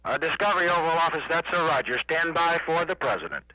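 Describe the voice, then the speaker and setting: A man's voice: fairly high pitch, animated, fast, bright, forceful tone. A man working as a White House radio operator, speaking in clipped, formal radio protocol over a radio transmission. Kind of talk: radio call procedure. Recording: distant archival radio transmission.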